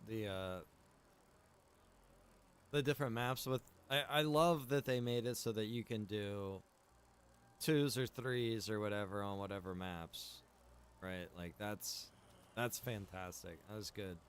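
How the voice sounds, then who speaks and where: A man's voice: fairly low pitch, unhurried. A man chatting casually on a live game stream, rambling as he thinks aloud. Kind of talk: casual live-stream chat while gaming. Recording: clear background noise.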